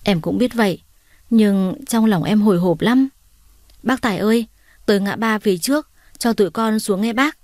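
A woman's voice: medium pitch, moderate pace, darkish tone, no echo, studio quality, close to an everyday voice. A woman voicing a young woman who comes home after years away, speaking emotionally and pleadingly. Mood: wistful. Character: young woman returning home, tearful and remorseful.

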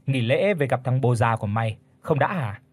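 A man voicing a brash, foul-mouthed teenage schoolgirl in a story reading, with a husky, blunt, teasing delivery. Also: medium pitch, expressive, fairly quick, no room sound, natural voice.

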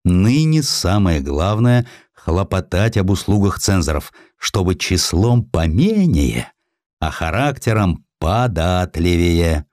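A man reading a historical story as narrator, in an expressive, theatrical and wry storytelling manner. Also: low voice, slow, no echo, clean studio sound.

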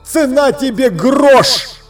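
A man voicing a harsh, contemptuous father shouting as a distant, echoing flashback voice in memory, over faint music. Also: extremely high pitch, animated, slow, pitched above the performer's own voice, full character voice. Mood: scornful. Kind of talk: audiobook character voice.

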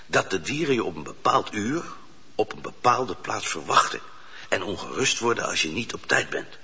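A humble male poacher in a radio drama, explaining patiently and insistently. The voice is low and very rough, with lively swings in pitch. It rings in a long, muffled reverb. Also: moderate pace, full character voice. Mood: earnest, explaining. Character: humble, earnest male poacher held prisoner. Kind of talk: Dutch radio drama acting.

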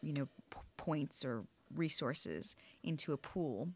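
A woman's voice: sits low, animated, slow pace, a little mellow, a little hiss or hum. A woman interviewer asking casual, loosely phrased questions in a conversational way.

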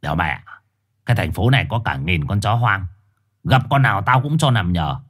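Man voicing a hoarse street dog, raspy, deep, muttering, bossy storybook bully. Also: expressive, moderate pace. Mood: hostile. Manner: growling, rough, condescending. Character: gruff streetwise male black four-eyed dog, bossy.

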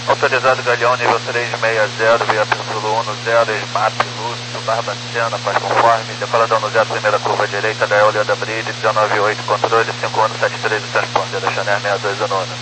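Low, even male pilot on noisy radio. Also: a little fast. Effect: radio transmission. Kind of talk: aviation radio readbacks. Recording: noisy cockpit radio with hum.

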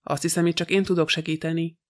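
A man voicing a calm, fearless young female acrobat, speaking without excitement. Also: a little high, close to an everyday voice. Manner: calm, unexcited.

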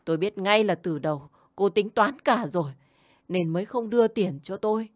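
Woman putting on a shrill raging mother-in-law. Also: expressive, normal speed, no room sound, clean studio sound, lightly acted. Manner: scolding, wailing and shouting.

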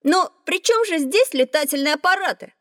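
A woman voicing a lively, curious schoolboy who asks eager questions in a children's audio drama. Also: very high voice, moderate pace, no echo. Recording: dry studio recording.

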